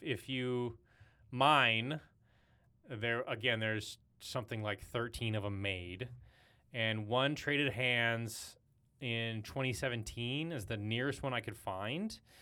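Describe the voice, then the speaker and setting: A man with an ordinary speaking voice at medium pitch, talking at a fairly slow pace. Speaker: podcast co-host. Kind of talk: casual chat.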